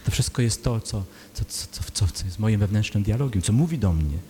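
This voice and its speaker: A man's voice: on the low side, animated, a little fast, dark tone. A man preaching a sermon, pleading with his listeners through long runs of rhetorical questions. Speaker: priest. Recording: long hall reverb, faint hum.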